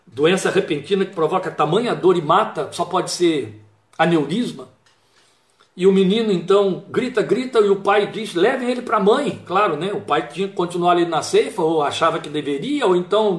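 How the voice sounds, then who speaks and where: A man with a high voice retells a Bible story as a sermon, voicing its people in quoted lines and stopping to reflect on them. The room is echoey and reverberant. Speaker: preacher.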